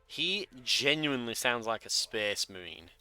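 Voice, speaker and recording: Bright, crisp-voiced man commentating a game. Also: medium pitch, animated, a little slow, soft background music. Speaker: let's play host. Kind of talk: casual gaming commentary.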